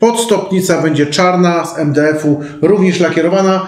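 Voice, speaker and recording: Audible room echo surrounds this voice. The pace is moderate and the pitch varies in an ordinary way. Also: man. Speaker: woodworking channel host. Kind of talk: casual vlog intro. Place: workshop.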